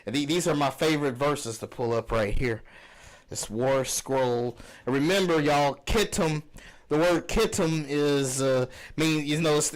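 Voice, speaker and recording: A man hosting a reaction video, giving casual commentary and talking straight to his viewers. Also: a little high. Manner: conversational, addresses viewers directly.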